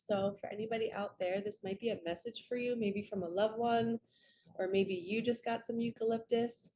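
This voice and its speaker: A woman with a slightly raspy, just-woken-up voice, hosting a casual spiritual reading vlog in an earnest, chatty way that drifts into stories. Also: a little high, steady tone, moderate pace, dark tone. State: raspy from waking up and allergies. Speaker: host, spiritual card reader.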